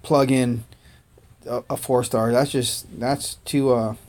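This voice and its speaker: With a steady, medium-pitched, darkish voice, a Korean-born man whose first language was Korean chats on a game livestream. Pauses fill with "uh" and "man" as he thanks viewers by name.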